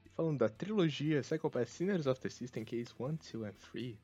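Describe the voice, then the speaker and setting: A man's voice: medium pitch, expressive, normal speed, dark tone, husky. Wry Brazilian man hosting, slightly muffled sound. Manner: wry, self-mocking. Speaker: podcast host. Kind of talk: casual humorous anime podcast chat. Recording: dull lo-fi sound, music behind.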